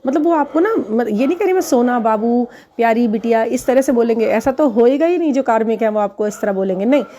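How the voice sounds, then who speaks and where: A woman's voice: on the high side, animated, fast talker, warm tone. A woman who does readings, giving chatty relationship advice straight to her viewers, laughing now and then at her own examples. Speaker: spiritual relationship reader. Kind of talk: casual advice talk to viewers.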